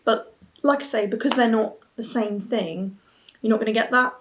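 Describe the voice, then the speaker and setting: A woman's voice: on the high side, fairly even intonation, moderate pace, slight background noise. Casual young woman reviewing. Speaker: beer and snack reviewer. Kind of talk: casual review chat to camera. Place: small plain room at home, seated at a table.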